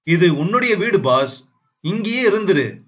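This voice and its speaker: Man doing a tender young woman, slow and pleading, raised voice, dull lo-fi audio. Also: high voice, sing-song, a bit bright, voice pushed up, full character voice. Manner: pleading, tender, calls him "boss". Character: affectionate young woman, devoted and childlike.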